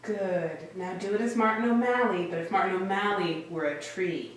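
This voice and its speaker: A woman's voice: medium pitch, normal speed. A woman giving short, casual stage directions as a director. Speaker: director giving acting prompts. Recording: very echoey room, distant mic.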